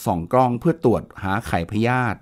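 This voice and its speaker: A man who is a veterinarian, explaining pet checkups as an interview guest in a brisk, informative way. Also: medium pitch, expressive, a little mellow. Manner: fast, informative, with restarts.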